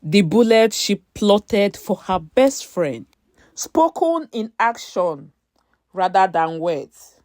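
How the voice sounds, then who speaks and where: A woman tells a dramatic scripted story at a slow pace. She places her phrases deliberately, in short pieces. The recording is dry, with no audible room. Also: mid-range voice, very animated, darkish tone, no room sound.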